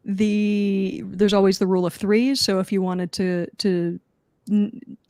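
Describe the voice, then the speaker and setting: A woman's voice: mid-range voice, fairly even intonation, slow pace, dark tone, smooth, no echo, studio quality. A woman with a Philadelphia accent co-hosting a casual livestream from her home office, chatty and self-deprecating, laughing often. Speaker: co-host.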